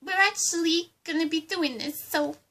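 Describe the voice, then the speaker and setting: A woman's voice: high voice, unhurried, bright, forceful tone. A woman voicing a giddy, unhinged female villain with a put-on accent in a fan roleplay, bubbly and eager to please.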